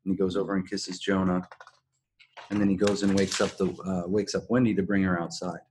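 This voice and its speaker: A man's voice: low-pitched, little pitch movement, brisk, background noise. A man talking casually as a podcast host, analysing and explaining an episode in a recap style.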